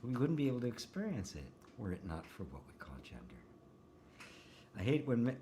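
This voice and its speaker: A man's voice: medium pitch, big pitch swings, fairly quick, dark tone, slight background noise. A man teaching spirituality in a loose, laughing way, checking in with "right?" and reading out viewer comments from a seated livestream. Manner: laughs often, many restarts and "right?" tags. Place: seated indoors.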